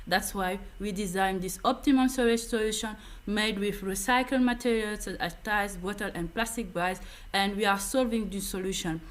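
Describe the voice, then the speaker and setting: A woman's voice: medium pitch, normal speed, hardly any pauses. Senegalese-accented woman presenting a project. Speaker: company founder and civil engineer.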